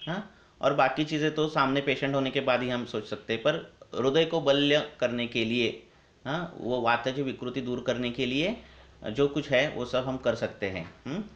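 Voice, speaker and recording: Male Ayurvedic doctor fielding questions, mid-pitched and measured, halting now and then; heavy echo, muffled call audio. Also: a bit bright. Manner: measured, explaining with frequent hesitations. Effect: echoey call audio. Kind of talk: explanatory Q&A on a call. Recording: dull echoey online call audio.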